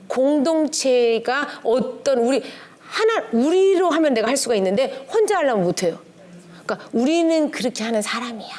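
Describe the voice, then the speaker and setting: A middle-aged woman, a pastor's wife, giving a conversational lecture on family relationships to a church class, acting out little bits of dialogue as she goes. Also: on the high side. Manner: lively, acts out quoted dialogue with shifting tones.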